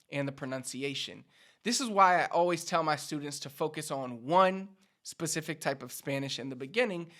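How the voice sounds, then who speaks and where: A man from Puerto Rico, speaking with a Puerto Rican accent, teaches an upbeat Spanish lesson directly to the camera. His instructive voice sits slightly high and sounds bright and forceful as he addresses viewers.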